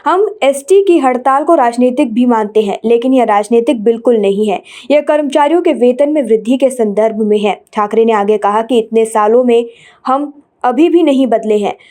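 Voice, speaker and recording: Woman, news presenter, high pitch, dark mellow tone, formal scripted narration. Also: normal speed. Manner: formal, read-out delivery.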